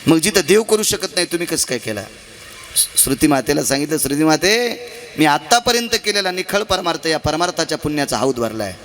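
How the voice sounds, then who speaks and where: A man preaching a devotional kirtan sermon, telling stories dramatically with sudden swings in pitch and loudness, asking the audience rhetorical questions and stretching some phrases into a half-sung chant. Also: sing-song, a little fast.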